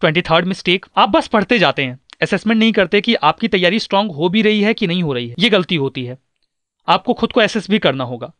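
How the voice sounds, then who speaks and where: A man's voice: sits high, expressive, fast talker, a bit bright, no echo. A man coaching civil service exam aspirants in an earnest, instructive way, mixing in English terms. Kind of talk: scripted advice talk.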